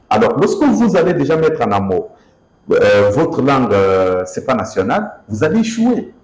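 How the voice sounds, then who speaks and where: A man's voice: medium pitch, echoey room, rough recording. A man from Kinshasa answering interview questions as an author, speaking emphatically with many fillers and restarts. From DR Congo, Kinshasa. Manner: expressive, emphatic, repeats himself with fillers.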